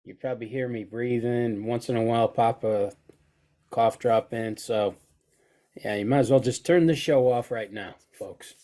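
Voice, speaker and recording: A man's voice: medium pitch, normal speed, mellow. A man co-hosting a casual podcast, congested from a heavy cold, teasing his partner with dry humor. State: has a cold. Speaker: co-host, trainer.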